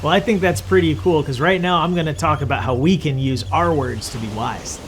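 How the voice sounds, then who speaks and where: A man's voice: fairly high pitch, a little fast, a little hiss or hum. A young man hosting a children's Bible lesson, explaining patiently and in a friendly way. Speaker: children's ministry host.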